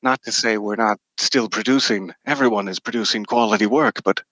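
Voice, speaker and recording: A man with a slightly low voice and a bright, crisp edge, recorded dry and close. He talks as an interview guest in a chatty, reflective way, dropping in wry asides. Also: steady tone, brisk, no room sound, rough recording. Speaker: podcast guest, horror narrator and voice actor. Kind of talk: casual interview chat.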